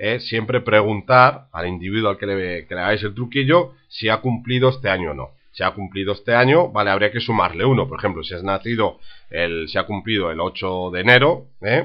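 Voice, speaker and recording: This man's voice has a medium pitch. He talks at a fairly quick pace. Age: 40s. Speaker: math teacher. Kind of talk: tutorial. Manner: animated.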